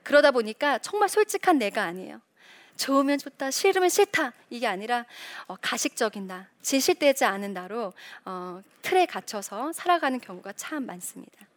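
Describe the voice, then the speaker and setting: Middle-aged woman speaker, animated faith talk, slightly high pitch, asks the audience questions. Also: moderate pace. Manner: animated, acts out quoted voices; frequent rhetorical questions. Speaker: Christian speaker, former reporter. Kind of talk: faith-based motivational talk.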